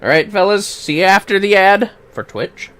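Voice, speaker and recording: A man's voice: high voice, expressive, normal speed, a bit bright, smooth. A man livestreaming a video game, chatting casually with reactive, sweary asides.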